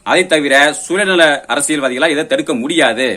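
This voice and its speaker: A man's voice: a little high, normal speed, bright, forceful tone. A man giving a confrontational political monologue, firing pointed rhetorical questions in an accusatory way. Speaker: political commentator. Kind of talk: political monologue rebutting an opponent.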